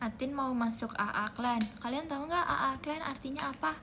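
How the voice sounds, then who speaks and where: A young woman streaming live, chatting playfully in a soft voice, humming bits of songs and thanking viewers by name. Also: sits high, fairly quick, noisy background. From Indonesia. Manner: playful, soft-spoken, sings snippets and reads out gifter names. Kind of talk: casual livestream chat.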